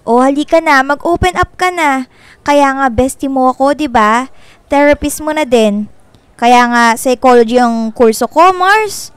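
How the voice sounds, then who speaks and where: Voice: high-pitched, unhurried, a bit bright, no echo. A performer voicing a flamboyant, witty gay best friend in a radio drama, with sassy, dramatic, slangy banter. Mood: teasing, exasperated.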